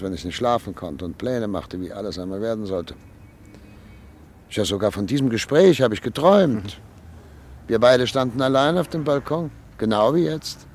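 A man's voice: mid-range voice, a little mellow. An actor playing a thoughtful, anxious doctor and father of thirty-nine in a radio drama, speaking earnestly and articulately. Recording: noisy old radio play recording.

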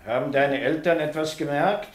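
An actor playing a witty, teasing German professor in a radio play, questioning pupils with dry irony. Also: male voice, on the high side, moderate pace, natural voice. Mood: dry amusement. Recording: echoey classroom with children in background.

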